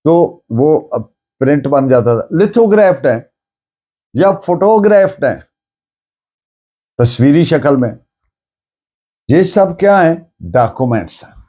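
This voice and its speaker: A man with a Pakistani accent lecturing on a legal text, deliberate, restating things in other words as he explains. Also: fairly high pitch, big pitch swings, mellow. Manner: deliberate, explains by repeating and rephrasing. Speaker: law lecturer.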